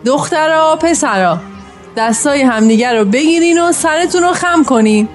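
A man's voice: extremely high pitch, animated, faint music behind, pitched above the performer's own voice. A man voicing a female schoolteacher who leads her class with a firm, solemn manner. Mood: gently commanding. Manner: solemn speechmaking.

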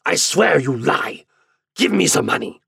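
A male narrator puts on a gruff old father, menacing and impatient. The voice is raised well above his usual pitch and rough-edged, pressing hard with vehement, barely held passion in a dramatic storybook reading. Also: very animated, unhurried, a bit bright, no echo, clean studio sound, exaggerated voice. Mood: furious. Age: older. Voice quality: gruff, vibrating with suppressed passion. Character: menacing, desperate elderly father demanding money from his son.

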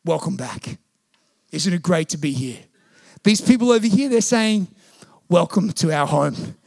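A man preaches from the pulpit in a high, light voice. He keeps it lively, jumping into playful quoted voices before dropping into slow, earnest stretches. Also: gravelly. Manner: animated, acts out voices and quotes. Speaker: pastor. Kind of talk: sermon.

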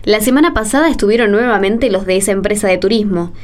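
A woman with an Argentine accent playing a patient, encouraging schoolteacher in a radio drama, speaking politely and in measured explanations. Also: medium pitch, lightly acted. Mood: polite, businesslike. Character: patient, encouraging woman seventh-grade schoolteacher leading parents' meeting.

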